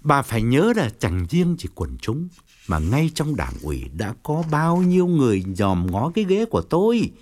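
A harsh, domineering middle-aged chairman barks out blame and orders, as a male narrator puts him on. His pitch leaps and drops widely as he berates. It plays like a scene from a spoken storybook. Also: huge pitch swings, moderate pace, a little mellow. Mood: stern. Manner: furious scolding, then lowered calculating tone. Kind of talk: audiobook character reading.

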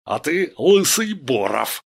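A man shouting as a crude jeering gang of thugs. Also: high voice, huge pitch swings, moderate pace, vocal fry, husky, pitched above the performer's own voice, exaggerated voice. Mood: bickering. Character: crude loud gang of young male thugs.

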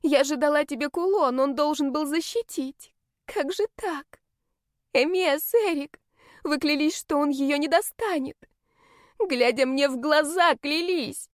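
A woman playing a hysterical young dragoness, shrill, high-pitched, shouting, dry recording. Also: measured pace, no room sound. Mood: distraught. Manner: shrill, shouting, near tears. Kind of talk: audiobook character voice.

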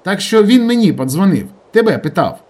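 Brash young village guy, loud, high and lively, blunt and crude, put on by a male reader. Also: brisk. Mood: urgent. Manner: blunt, agitated, crude slang. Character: rough, swearing young village guy, restless.

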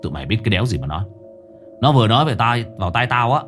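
A man's voice: medium pitch, sing-song, very fast, a bit bright, faint music behind. A man voicing a hot-tempered young gang leader who snaps and curses at his friends. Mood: furious. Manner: cursing, aggressive.

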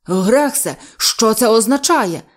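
Stern bossy zoo director, as a lady reader plays him, loud and brusque. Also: medium pitch, very animated, normal speed. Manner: stern, shouting.

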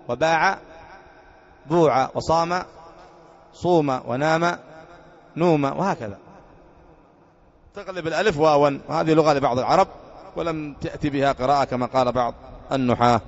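A man teaching a classroom grammar lesson, quizzing his students with repeated questions. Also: a little high. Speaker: sheikh teaching Arabic grammar. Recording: muffled recording in a reverberant hall.

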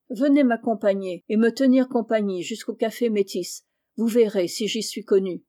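A woman reads a classic novel aloud, calm and measured. Her voice is mellow and warm at a middle pitch. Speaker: audiobook reader.

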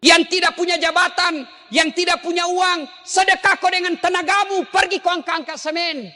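A male preacher with a very high, bright and forceful voice delivers an animated, joking sermon. He throws rhetorical questions at his listeners and bursts into shouts. His voice rings with the long reverb of a big hall. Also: normal speed. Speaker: Islamic preacher.

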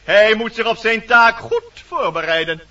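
A man's voice: high-pitched, measured pace, pushed and bright. A man playing a stern, self-important woodland animal leader in a radio play, speaking formally and commandingly. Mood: impatient, commanding. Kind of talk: theatrical Dutch radio play acting. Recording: dull old radio recording, distant.

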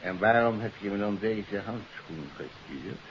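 An actor playing a threatening, suspicious crook in a 1950s radio drama, speaking in an accusing, interrogating manner. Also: male voice, fairly low pitch, animated, unhurried. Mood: controlled, threatening. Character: threatening, suspicious male crook, father of missing daughter. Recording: muffled hissy 1950s radio recording.

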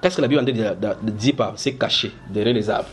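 A man's voice: on the low side, fast talker, slight background noise. A man preaching a Bible teaching at a house church, asking his listeners questions and repeating their answers.

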